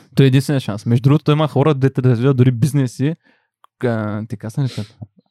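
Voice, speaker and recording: Dry and close with no echo, a man's dark, mellow voice moves at a fairly quick pace with medium pitch and fairly even intonation. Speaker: podcast host. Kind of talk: casual chat.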